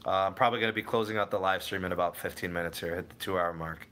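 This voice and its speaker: Young male livestream host, slightly low, bright tone; relaxed, meandering, talks straight to his chat. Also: rapid-fire. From Cleveland area, USA. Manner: rambling, self-correcting, answers viewers by name. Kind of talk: casual live chat reading viewer comments.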